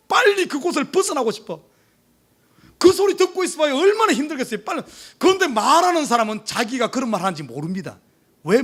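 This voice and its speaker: A male pastor preaching to his congregation, emphatic, with many rhetorical questions, swinging from urgent pleas to hushed asides. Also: sits high. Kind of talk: sermon. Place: church service.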